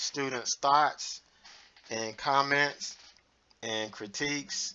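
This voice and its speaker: In a Southern US accent, a man with a fairly high pitch talks at a very slow pace with fairly even intonation. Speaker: day trading teacher. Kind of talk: class excerpt, informal lecture. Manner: casual, conversational with fillers.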